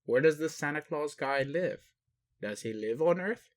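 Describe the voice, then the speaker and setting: A man playing a bemused, gentle and naive male alien caregiver in an intimate roleplay audio, speaking hesitantly and haltingly. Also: a little high, animated, no room sound, lightly acted. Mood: sheepish. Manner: hesitant, puzzled, halting, sighing. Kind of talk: intimate one-sided roleplay audio acting.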